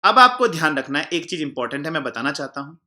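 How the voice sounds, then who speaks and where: A man teaches an exam-prep chemistry lesson with a bright, fairly high voice. He turns every point into a question for his "children" and answers it himself. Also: very animated, fast talker. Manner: explains by repeating, asking the class and answering himself; calls the students "children" warmly.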